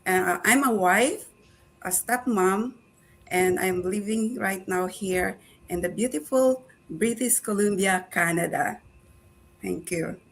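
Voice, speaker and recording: A woman's voice: medium pitch, slow. A woman from the Philippines giving a polite, friendly introduction on an online panel.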